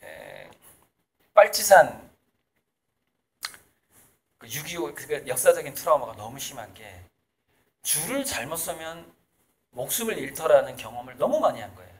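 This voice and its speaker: A man's voice: medium pitch, big pitch swings, normal speed, pauses often. A man from South Jeolla talking in a casual, emphatic way as an interviewee, making his points with laughs in between. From South Jeolla, Korea. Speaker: artist and author, interviewee. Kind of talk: casual conversational lecture.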